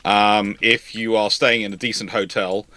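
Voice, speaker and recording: A man's voice: on the low side, flat delivery, moderate pace, sharp tone, rough recording. A man with a Scottish accent hosting a live naval history Q&A, chatty and rambling, laughing at his own jokes. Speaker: naval history channel host. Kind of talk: casual live Q&A chat.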